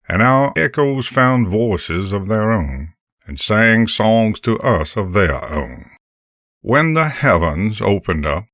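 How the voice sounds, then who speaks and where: Man voicing a slow, gravelly, mournful ancient entity. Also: on the low side, fairly bright tone, no echo, studio quality, exaggerated voice. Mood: wistful. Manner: slow, solemn, measured storytelling with long pauses. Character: ancient lonely broadcasting entity, mournful and grave, once part of a choir. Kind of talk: dramatic monologue in an audio horror fiction reading.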